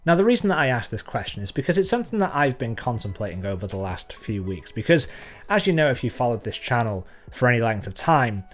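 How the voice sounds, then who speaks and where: A photographer from North Wales hosts his channel, speaking to his viewers to camera in a reflective, thoughtful, conversational way. His medium-pitched voice is sing-song, and he talks fast.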